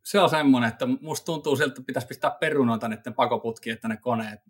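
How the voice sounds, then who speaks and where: A man co-hosting a casual podcast chat, talking in a relaxed, rambling way with lots of fillers. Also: medium pitch, breathy edge. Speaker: podcast co-host living in Japan.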